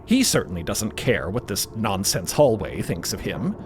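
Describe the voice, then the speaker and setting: A man narrating a scripted story in an expressive, theatrical way. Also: fairly low pitch, moderate pace, a little hiss or hum.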